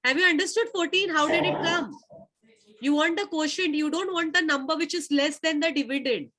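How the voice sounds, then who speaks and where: Woman, South Asian accent, high-pitched, bright and sharp, online maths teacher, insistent repeated questioning. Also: fairly quick. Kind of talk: interactive online lesson, questioning pupils.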